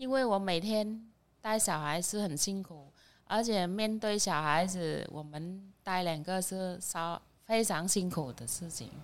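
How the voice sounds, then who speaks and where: A medium-pitched woman's voice with a Vietnamese accent at a very slow pace, audible room echo and music in the background. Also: ordinary pitch variation. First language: Vietnamese (speaking Chinese). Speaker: immigrant guest. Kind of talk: casual chat.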